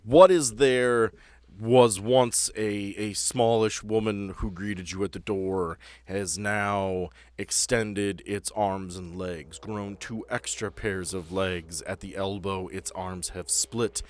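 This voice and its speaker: A man's voice: lowish voice, steady tone, slow pace, darkish tone, no echo. A man running a tabletop horror game, narrating suspenseful, descriptive scenes off the cuff and dropping into casual rules talk. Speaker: game master of a tabletop RPG podcast. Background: music under the voice.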